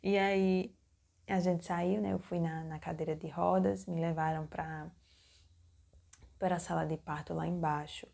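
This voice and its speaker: A young woman vlogger telling the story of her childbirth in a casual, halting, heartfelt way, acting out what she said at the time. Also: low-pitched, level tone, creaky, mellow. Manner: halting and heartfelt, acts out her own remembered lines. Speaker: mom vlogger. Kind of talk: personal birth story, casual narration.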